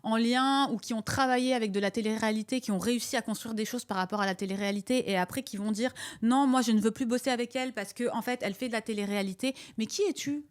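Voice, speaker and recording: A woman's voice: a little high, quick pace, few pauses. A woman hosting a casual, opinionated podcast, speaking emphatically and repeating herself to drive points home. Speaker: podcast host and video content creator.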